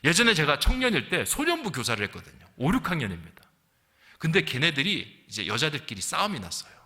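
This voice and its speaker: With a voice on the high side, wildly swooping pitch, and a pushed, bright sound, a middle-aged Gyeongsang pastor preaches at a quick pace. He leans on anecdotes, performed quotes, and rhetorical questions in a conversational style. Long reverb from the spacious church hall colors the audio.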